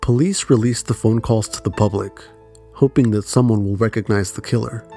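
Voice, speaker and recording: A man reading scripted true crime documentary narration in a measured, serious way. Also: on the low side, mellow, soft background music.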